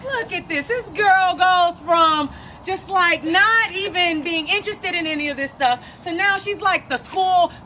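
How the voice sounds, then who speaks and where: A woman's voice: very high voice, unhurried, pushed and bright, slight background noise. A woman coach interviewing and giving an emphatic, encouraging pep talk, repeating phrases for emphasis.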